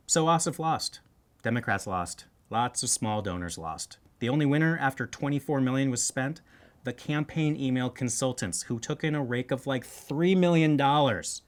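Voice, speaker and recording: A man hosting a satirical news show, delivering scripted political commentary in a wry, tongue-in-cheek way. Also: mid-range voice.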